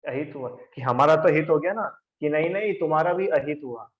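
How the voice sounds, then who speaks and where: A man's voice: on the high side, a little fast. A male teacher giving a class lecture, arguing through rhetorical questions and answers and quizzing his students by name. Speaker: religion teacher. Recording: roomy, dull lo-fi recording.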